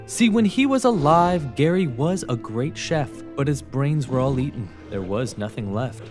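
A man reads a rhyming children's storybook aloud as narrator. His delivery is theatrical and rhythmic, with an animated, wide-ranging pitch. Music plays behind him.

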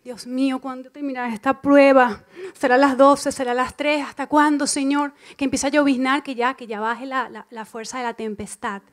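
A woman delivers an evening church sermon in a high, light voice. She speaks emphatically, circling back to repeat her key phrases. Now and then she slips into little acted-out voices to make a point. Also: normal speed, few pauses. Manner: expressive, acts out inner voices. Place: church congregation.

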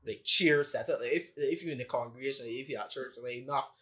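A man's voice: mid-range voice, fast talker, pushed and bright. A man co-hosting a podcast, telling a story in casual chat and acting out the people he quotes. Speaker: podcast co-host.

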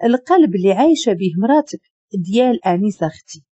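A woman's voice: mid-range voice, expressive, quick pace, warm tone, slightly rough, no echo. A woman with a Moroccan accent voicing a jealous young ex-lover who pleads and turns bitter, her voice shaky, recorded dull and lo-fi.

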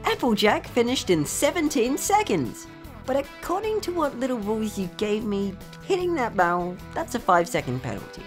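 An earnest little cartoon dragon boy acted by a woman with a showy announcer's patter. The pitch jumps around eagerly, and light music plays underneath. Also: very animated, normal speed. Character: young male baby dragon, earnest, chirpy event announcer. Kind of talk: cartoon parody dub. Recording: music behind.

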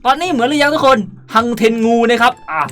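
A young man hosting a casual gameplay tutorial in a playful, animated way with cutesy polite sentence endings. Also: very high voice, fast talker. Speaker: gaming video host. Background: background music.

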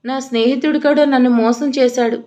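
A heartbroken young man, desperate and pleading in an audio storybook, read in a woman's fairly high voice. He speaks in agitated bursts that lurch between grief and accusation. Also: fairly even intonation, normal speed, mellow, close to an everyday voice. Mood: anguished. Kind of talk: storybook narration with quoted dialogue.

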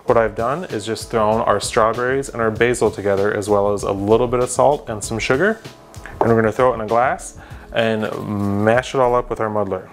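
A man's voice: lowish voice, fairly quick, soft background music. Young man hosting a kitchen demo. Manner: deadpan joking asides to the viewer. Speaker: cooking show host. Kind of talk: scripted cooking demonstration. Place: home kitchen indoors.

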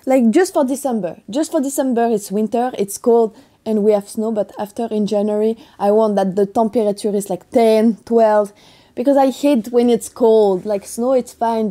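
A young woman from France speaking English with a French accent, chatting casually in her vlog with a hoarse morning voice. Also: on the high side, mellow. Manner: chatty, upbeat, loose non-native phrasing. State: hoarse from just waking up. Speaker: athlete vlogger.

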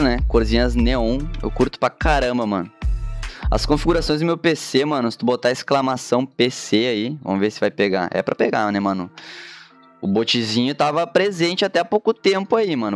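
Speaking a little fast with lively intonation, this mid-range male voice belongs to a thirtysomething gaúcho streamer and graphic designer from Rio Grande do Sul who draws on a live stream. He talks in relaxed, slangy Brazilian Portuguese, constantly dropping filler tags, into a headset in his home studio room with soft background music.

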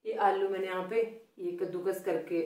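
Cooking at home, this middle-aged woman from Himachal Pradesh talks loudly in a Himachali Hindi accent, chatting and complaining a little for her casual vlog. Her pitch is average, her intonation fairly even and her pace moderate. The sound is distant and roomy, with echo, since the phone recording her sits away from her in the kitchen.

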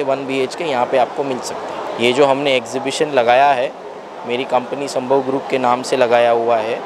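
A man in his thirties makes a steady sales pitch into a handheld mic. His voice stays level, with little rise and fall. Loud expo chatter and bustle sit behind him. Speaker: company director. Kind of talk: interview at an expo stall. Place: busy indoor property expo. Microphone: handheld news mic, close. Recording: crowd noise of an expo hall.

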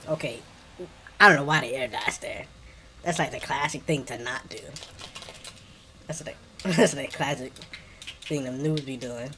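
Noisy mid-pitched African American gaming streamer. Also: moderate pace, long pauses. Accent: African American English. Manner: slangy, reactive muttering to self and opponents. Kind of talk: casual live game commentary. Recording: clear background noise with keyboard clicking.

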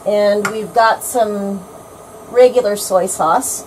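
A woman's voice: medium pitch, steady tone, slow pace, darkish tone, slight background noise, low-quality recording. A woman in her forties cooking in a motor home kitchen, walking plainly through each step of a recipe. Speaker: home cook. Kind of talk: casual cooking demo. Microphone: camera mic from across the room.

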